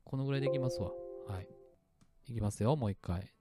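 Hosting his own podcast, a man chats in a relaxed, fast way about the sound effects he made, his voice sitting at a medium pitch. He uses lots of fillers and keeps starting and stopping clips, while faint music clips play behind him.

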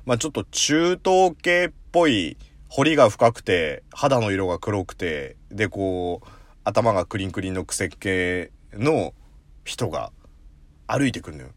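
A man hosting a casual solo talk show, telling a story in rough slang with playful self-mockery and sudden acted-out voices. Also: fairly low pitch, measured pace, no echo. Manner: animated, jumps into acted-out voices. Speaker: podcast host.

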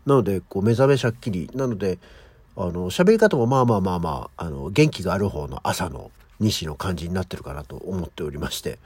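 A middle-aged man hosts a casual solo morning talk show in a low, husky voice. His pitch swings widely as he chats with animated, high-energy storytelling, and the sound is close and dry. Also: brisk, dry recording. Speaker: podcast host.

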